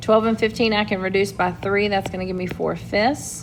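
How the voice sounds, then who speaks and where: Noticeable background noise fills the recording. Over it, a woman speaks at a fairly quick pace. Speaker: math teacher. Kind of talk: tutorial.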